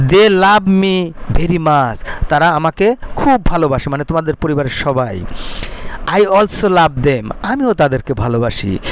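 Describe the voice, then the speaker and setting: A male teacher explaining a textbook English lesson. He reads the English lines slowly and stretched out, then explains them quickly and asks "right?" again and again. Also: fairly high pitch, a little hiss or hum. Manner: repeats words and asks "right?" often.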